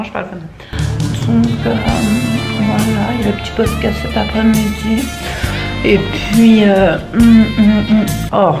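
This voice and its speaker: A young woman in her twenties chatting casually and playfully to camera at home, teasing and mocking herself as she talks. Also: mid-range voice. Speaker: vlogger. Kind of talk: casual vlog chat to camera. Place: at home indoors.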